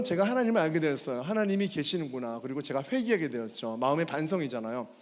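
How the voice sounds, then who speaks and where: A fitness trainer giving a personal faith testimony at a school chapel service. He tells the story with animation and keeps calling out to the audience. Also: sits high. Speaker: fitness trainer and guest speaker. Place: large worship hall. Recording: long hall reverb.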